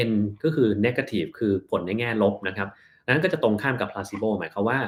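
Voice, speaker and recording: Reading out health questions from his live-stream viewers, a doctor gives relaxed, straightforward answers and slows his delivery to explain terminology. He is a man with a fairly low-pitched voice.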